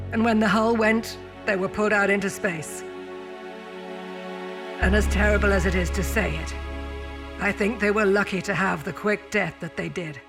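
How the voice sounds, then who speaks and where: Weary male spaceship captain, pretty high voice, grave and formal, sci-fi radio play, music under it. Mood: grave, urgent. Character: weary acting captain of a doomed mining spaceship. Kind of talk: dramatic sci-fi audio drama, log narration.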